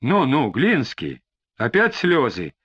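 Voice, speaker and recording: A man voicing a calm police detective who questions steadily, with faint disdain. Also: a little high. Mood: probing. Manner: measured questioning, faintly squeamish. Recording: slightly dull lo-fi recording.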